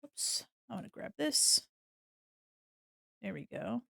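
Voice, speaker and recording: A woman's voice: medium pitch, big pitch swings, slow, vocal fry, fairly bright tone, breathy edge, no echo. A woman at a home stream walks through logo design references, chatty and loose with plenty of ums. She is a bit sniffly, and her mid-range voice sits close and dry with no room around it. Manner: chatty, many ums and restarts, explaining while drawing. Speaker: streamer giving art critique. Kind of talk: casual art tutorial walkthrough.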